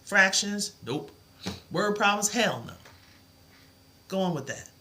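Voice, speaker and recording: A woman's voice: medium pitch, expressive, slow, pushed and bright, slight background noise. A middle-aged woman teaching a live math lesson, with a soothing voice and an encouraging, reassuring way of talking. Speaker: math tutor.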